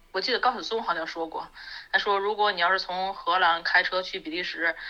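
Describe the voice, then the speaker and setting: With a plain, everyday voice, a woman talks at a fairly quick pace and a medium pitch. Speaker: lawyer. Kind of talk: recorded interview answers.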